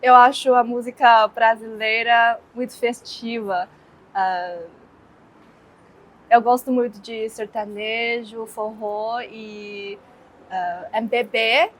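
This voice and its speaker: A woman's voice: fairly high pitch, steady tone, slow, low-quality recording. A young woman from China with a Chinese accent, answering interview questions in a hesitant way with many fillers.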